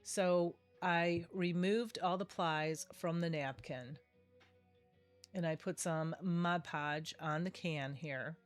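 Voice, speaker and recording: A woman's voice: on the low side, fairly even intonation, takes it slowly, soft background music. A middle-aged woman, nasal from a cold, chatting her way through a craft tutorial and often correcting herself. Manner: chatty, rambling, self-correcting. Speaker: craft video host. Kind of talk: casual craft tutorial voice-over.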